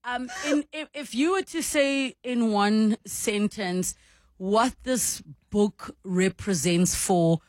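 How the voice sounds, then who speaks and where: A woman's voice: mid-range voice, takes it slowly, a little mellow, no echo. A woman hosts a radio show, gushing and teasing her guest in a playful, chatty way. Her voice is close and dry on a studio mic. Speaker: radio host. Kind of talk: casual radio interview. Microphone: studio microphone.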